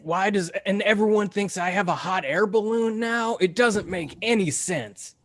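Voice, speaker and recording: A woman's voice: mid-range voice, lightly acted. An anxious leprechaun stammers through her grievances in an ordinary mid-range voice, played by a woman on an improv stage. Her sentences restart and trip over themselves. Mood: complaining. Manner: halting, stammering complaints. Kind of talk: improv comedy scene. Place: theater stage.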